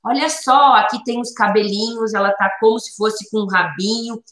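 A woman's voice: medium pitch, normal speed, a bit bright, roomy sound, close to an everyday voice. A woman playing a cheerful teacher who coaxes small children in a sing-song voice. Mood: playful coaxing.

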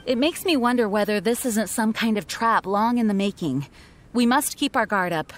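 A woman voicing a composed, dutiful young knight commander in a video game, speaking in a measured, formal, serious manner. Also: a little high, slight background noise, close to an everyday voice. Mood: cautious, serious.

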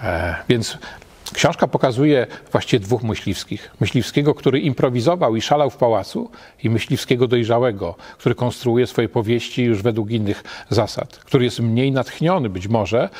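A middle-aged man speaks with a steady, mid-range voice, unhurried and considered. He pauses often, filling gaps with soft hesitations as he searches for the right word. He sounds like a scholar talking through ideas in an empty lecture hall. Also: mid-range voice, breathy edge. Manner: measured, thoughtful, pausing often with hesitations. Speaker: literary scholar. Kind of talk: reflective spoken commentary.

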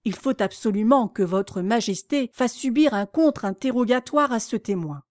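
A woman voicing a nervous white rabbit official who murmurs advice in a hushed voice. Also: a little high, animated, moderate pace, no room sound, studio quality, lightly acted. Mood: anxious.

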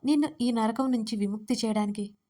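A pleading young man with a bright, lifted voice, read out by a woman narrator of an audio story. He sounds earnest and insistent as he begs. There is little change in the voice from the narrator's own. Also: on the high side, brisk, natural voice.

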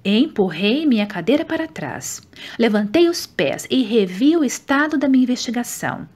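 A woman with a Brazilian Portuguese accent, reading a nonfiction book aloud in a steady, measured way. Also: on the high side. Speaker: audiobook reader. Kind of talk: scripted audiobook narration.

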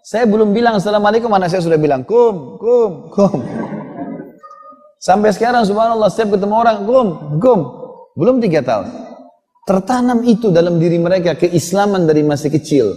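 Earnest male preacher in a reverberant hall. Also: fast. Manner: storytelling, earnest and fatherly, lively in pitch. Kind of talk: sermon.

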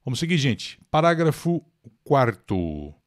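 Lively older Brazilian teacher, close and dry. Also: male voice, medium pitch, measured pace, no room sound. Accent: Brazilian Portuguese. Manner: lively, explanatory, answers chat viewers by name. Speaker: English teacher hosting a live class. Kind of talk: live online English lesson.

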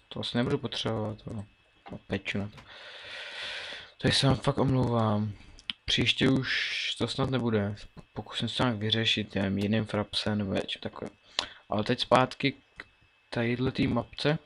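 A young man in his late teens casually narrates his own gameplay for a Let's Play, mumbling and thinking aloud while keyboard and mouse clicks sound behind him. His voice is mid-range and a bit bright.

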